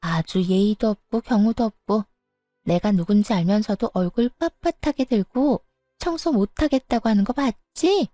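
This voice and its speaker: A woman's voice: medium pitch, normal speed, warm tone, dry recording, studio quality, faint music behind, lightly acted. A woman voicing a brash, bossy middle-aged mistress who scolds shrilly in a storybook reading. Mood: indignant.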